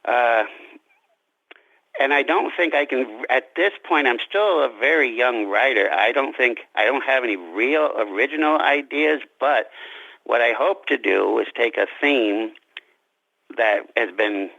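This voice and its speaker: A man being interviewed as an author, talking reflectively about his craft in halting, deliberate phrases. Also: medium pitch, expressive, creaky, no room sound, lo-fi sound.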